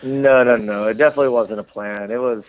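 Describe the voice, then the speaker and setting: A man from the United States, a former Olympic swimmer, answering interview questions in a reflective, halting way with many fillers. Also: mid-range voice, steady tone. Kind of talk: casual interview conversation. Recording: tinny phone-line sound, dry.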